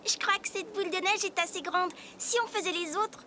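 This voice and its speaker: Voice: very high-pitched, a little fast, heavy background noise. A performer voicing a confident, helpful young girl in a children's cartoon, giving encouraging instructions to a playmate. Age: child character. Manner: encouraging, bossy, clear instructions.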